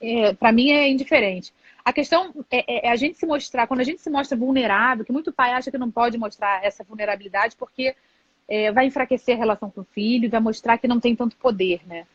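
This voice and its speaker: A woman hosts a live stream, talking candidly and reflectively as a mother in casual conversation, tucking many filler "né"s into her sentences. Her voice is a little high, fast and breathy, with no room sound. Captured over a video call mic, the audio is dull, dry and lo-fi.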